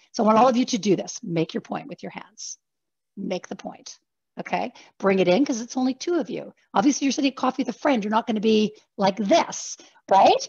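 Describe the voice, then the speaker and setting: A fairly high, somewhat breathy female voice at a fairly quick pace, with lively intonation and big swings in loudness. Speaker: executive coach and workshop presenter. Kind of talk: interactive workshop talk. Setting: video call. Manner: fast; animated.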